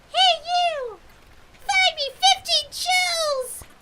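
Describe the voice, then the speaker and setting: An extremely high-pitched, put-on character voice. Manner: demanding, commanding.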